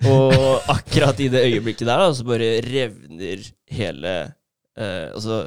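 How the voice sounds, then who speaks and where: A man tells a story in an easy, chatty way, breaking in with fillers and bursts of laughter. His voice has a gravelly edge but stays smooth and resonant. The sound is dry and close, with no room echo. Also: medium pitch. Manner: animated retelling with many fillers and laughs. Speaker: podcast co-host. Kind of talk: casual storytelling chat.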